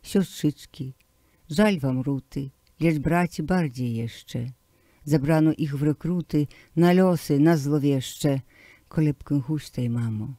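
Man reading poems for radio, slow and declamatory, mellow dark tone, dry close sound. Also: a little high, no echo. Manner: slow, declamatory recital with swelling emphasis. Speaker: poetry reader. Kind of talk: poetry recitation.

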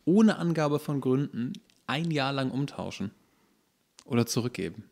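A man's voice: mid-range voice, expressive, moderate pace, gravelly, a little mellow. A man co-hosting a podcast, chatting casually with dry, wry humour. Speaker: podcast co-host. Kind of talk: casual comedic chat.

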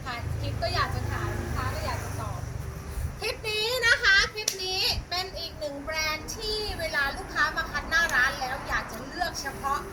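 A woman with a very high voice gives a hype live-seller pitch. She repeats prices and phrases excitedly, like a shop owner pushing stock. Heavy background noise surrounds her. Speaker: shop owner selling clothing bales in a review video. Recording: very noisy, vehicle-like background ambience. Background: loud ambient noise.

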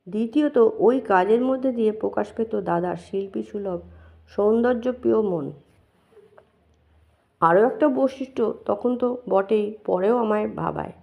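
A woman reads a first-person memoir in a calm, measured and reflective way. Her voice has a gravelly edge. The recording sounds dull and lo-fi. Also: mid-range voice. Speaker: narrator. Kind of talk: memoir reading.

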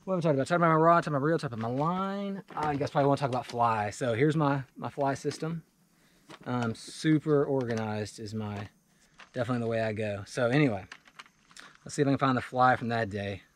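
A man in his forties talking casually to camera in a wooded clearing, walking through his fishing gear with lots of fillers and restarts. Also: medium pitch, fast talker, a little hiss or hum. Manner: relaxed and chatty, many fillers and restarts. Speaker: fly fishing vlogger. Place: outdoors in a wooded clearing beside a pickup truck.

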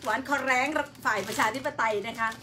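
A woman's voice: a little high, fairly even intonation, a little fast, pushed and bright, slight background noise. A woman hosting a live stream in casual chat, politely reading out and greeting her viewers one by one.

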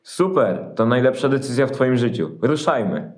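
A man's voice: medium pitch, very animated, moderate pace, close to an everyday voice. A man playing an eager, determined shepherd in a Christmas audio play, speaking earnestly and insistently.

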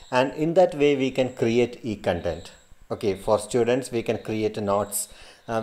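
A middle-aged man with a Malayali English accent, a Malayalam native speaker, teaching a screen-recorded tutorial, halting and full of fillers and restarts, recorded on a built-in laptop mic. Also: mid-range voice, a little mellow. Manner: halting, many fillers and restarts, gestures while talking.

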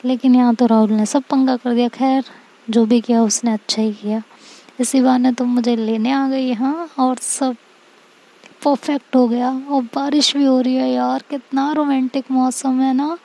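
A woman's voice: high-pitched, little pitch movement, unhurried, dark tone. A woman voicing a playful young woman in love who coaxes and teases her partner. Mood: teasing. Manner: coaxing and teasing. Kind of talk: storytelling with voiced quotes.

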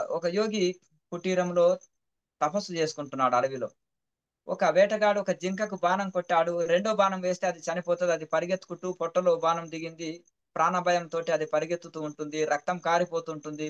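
A high-voiced man teaches patiently, telling a parable and asking again and again whether his listener follows. His voice is smooth and resonant. The recording sounds a little dull and lo-fi. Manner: patient, explains by repeating phrases and checking understanding. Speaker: spiritual teacher.

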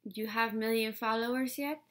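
A woman's voice: on the high side, steady tone, moderate pace, natural voice. A woman playing a self-serious social media guru, posed and affected, with broken grammar, in a comedy sketch. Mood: aloof. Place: small room indoors.

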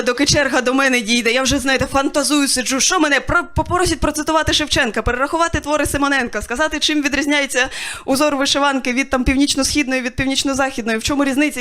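A young woman performing a stand-up set, telling stories in a dry way with quick voiced asides. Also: high voice, a bit bright. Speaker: stand-up comedian. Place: stage of a small comedy club.

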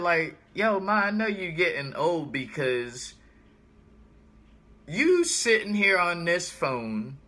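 An American man in his thirties chatting casually on a livestream, thinking out loud and telling stories with animated, emphatic repetition. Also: sits high. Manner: animated storytelling, repeats himself for emphasis. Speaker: vlogger. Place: small room indoors.

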